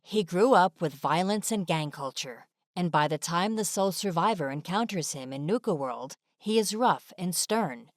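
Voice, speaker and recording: Woman doing scripted video voiceover, lowish voice, really dry close recording. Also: expressive, moderate pace, few pauses, dry recording. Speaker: narrator.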